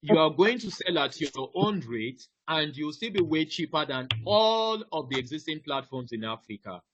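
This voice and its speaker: Teaching ticketing live via video call, this male trainer moves through each step, repeats "now" often, and asks his listeners questions. His voice is on the high side with lively intonation at normal speed; the call audio is dull and dry, with a noisy background.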